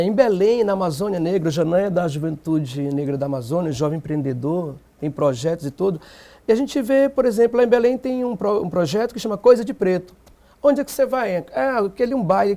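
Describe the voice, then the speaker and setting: A man's voice: high-pitched, warm tone. A Brazilian man, an activist guest on a TV panel, arguing emphatically with rhetorical questions. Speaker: black movement activist guest. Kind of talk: TV panel debate.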